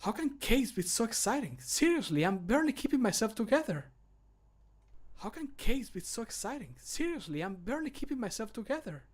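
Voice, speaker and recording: A man voicing an excitable male adventurer in video game lines, with an eager manner. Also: very high-pitched, fairly quick, pitched above the performer's own voice, heavily acted. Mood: excited. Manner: eager, gushing. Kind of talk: video game voice line acting.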